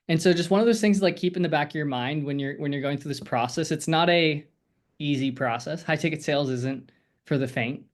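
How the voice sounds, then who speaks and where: A man coaching a group on a video call, talking casually in a rambling, encouraging way with lots of fillers. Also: a little high. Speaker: sales coach.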